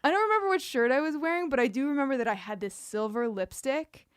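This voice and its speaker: Slightly high-voiced, playful woman podcaster. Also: lively intonation, fast talker, smooth, no echo, studio quality. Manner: wry, playful, rambling with many likes. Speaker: podcast co-host. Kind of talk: casual chat about a TV show.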